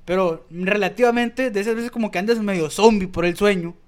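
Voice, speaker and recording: A man's voice: high voice, a little fast. A young Mexican man with a Mexican accent, co-hosting a podcast and telling a rambling, slangy story full of swearing. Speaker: podcast co-host. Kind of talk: casual storytelling chat.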